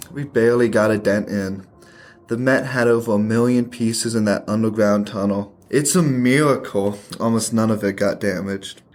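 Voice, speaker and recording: A man's voice: on the low side, steady tone, moderate pace, natural voice. A man acting in a radio play as a wry, catty gay art handler from Missouri, chatty and sardonic in naturalistic dialogue. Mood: chatty, weary.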